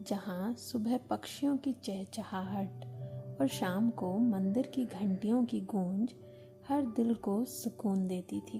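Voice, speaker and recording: Music plays in the background as a woman talks in a soothing tone. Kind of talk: sleep story. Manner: soothing, slow.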